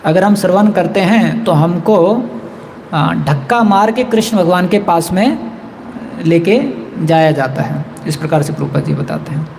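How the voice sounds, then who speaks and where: A man's voice: fairly high pitch, normal speed, gravelly, a little mellow, in a large hall, slight background noise, rough recording. A man giving a scripture class in a temple, explaining verses, chanting lines in Sanskrit and reading quotations in English. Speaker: temple speaker. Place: temple hall.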